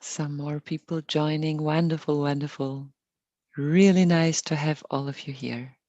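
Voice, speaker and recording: Gentle woman hosting a meditation call. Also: deep voice, fairly even intonation, dry recording, dull audio. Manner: gentle, unhurried, reassuring. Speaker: meditation host. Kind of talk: welcoming guided meditation session. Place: online group call.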